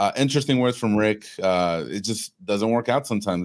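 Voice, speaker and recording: A very clean recording of a man, with a silent background. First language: not English. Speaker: soccer podcast host. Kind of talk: casual chat. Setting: live stream with chat.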